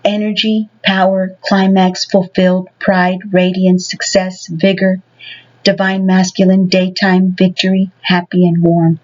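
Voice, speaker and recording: A woman's voice: on the low side, little pitch movement, measured pace, highs cut off. A woman giving a casual tarot reading to her viewers. She talks in a rambling way and fills her sentences with many "you know"s. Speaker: tarot reader.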